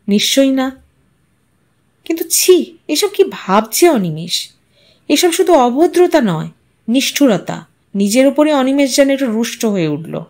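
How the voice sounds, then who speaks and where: Woman storyteller, fairly high voice, expressive literary narration, measured delivery.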